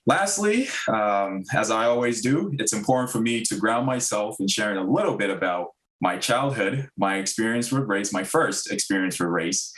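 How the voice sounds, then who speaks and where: A man's voice: lowish voice, fairly bright tone, poor audio. A man in his thirties from Ghana, giving earnest prepared remarks at a public school meeting with frequent fillers. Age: 30s. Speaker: district diversity director.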